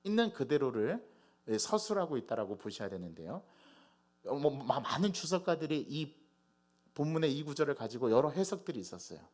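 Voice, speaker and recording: A male pastor preaching a Sunday sermon in a church, animated and putting rhetorical questions to the congregation. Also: medium pitch, a little fast. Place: church sanctuary.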